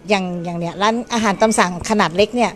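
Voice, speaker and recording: A middle-aged woman who runs a small eatery, interviewed indoors on a handheld mic, speaking in a measured, slightly halting way. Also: mid-range voice, fairly even intonation. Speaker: small restaurant owner. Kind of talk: street interview. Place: small indoor shop kitchen.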